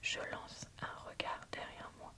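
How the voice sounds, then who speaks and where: A woman reads a novel aloud in an ASMR whisper. Her delivery is very unhurried and deliberate, with a sharp, very bright edge to the hushed sound. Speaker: booktuber reading a novel aloud and reviewing it. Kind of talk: ASMR whispered book reading.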